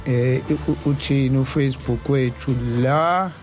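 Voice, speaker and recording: A man's voice: mid-range voice, moderate pace. South African male host over music. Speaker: radio host. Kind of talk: casual talk show hosting.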